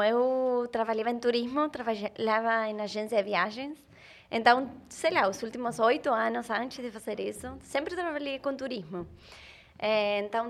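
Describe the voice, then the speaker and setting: Woman, Argentine accent, Spanish native, fairly high voice, relaxed podcast guest. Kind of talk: casual podcast chat.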